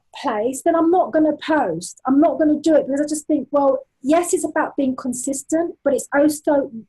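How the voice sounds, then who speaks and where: Her pitch high, a woman in a London accent talks at a moderate pace. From London, England. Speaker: burnout coach. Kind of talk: interview. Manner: stutters and slurs when tired.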